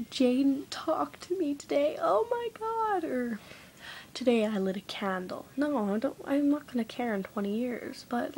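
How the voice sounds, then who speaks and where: A woman's voice: fairly high pitch, gravelly, warm tone, slight background noise, low-quality recording. A young woman vlogging at home, rambling casually with lots of fillers and often slipping into a half-whisper. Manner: chatty, rambling, many "like" fillers. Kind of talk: casual vlog chat. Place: dim room at home lit by candles.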